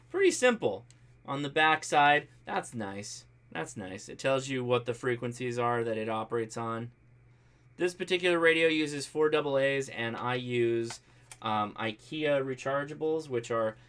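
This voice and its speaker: Male livestream host, American, bright and punchy mid-range voice, animated and jokey, off-the-cuff delivery. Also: mid-range voice. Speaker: host of a ham radio livestream. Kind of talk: casual livestream chat, reading and answering viewer comments.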